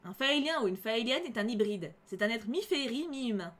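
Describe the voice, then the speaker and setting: A serious fairy leader woman from a story game speaks calmly and explains things in a measured way, as a female streamer reads her lines. The voice sits fairly high for a woman. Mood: explaining.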